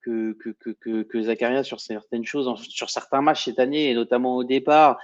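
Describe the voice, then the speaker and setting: A man's voice: mid-range voice, little pitch movement, normal speed, lo-fi sound. A man hosting a casual football debrief livestream, chatty and welcoming, with frequent restarts. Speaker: host.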